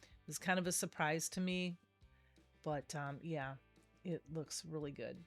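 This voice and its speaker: Faint music sits behind a middle-aged craft video host with a low-pitched voice, nasal from a cold, speaking at a measured pace. Her casual tutorial voice-over is chatty and rambling, with frequent self-corrections.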